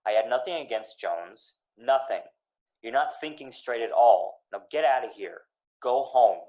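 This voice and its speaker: A man's voice: medium pitch, expressive, unhurried, natural voice. Man as curt police boss, dull recording. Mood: dismissive. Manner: curt, defensive. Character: defensive, curt male police superior named Smith. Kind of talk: amateur radio drama acting.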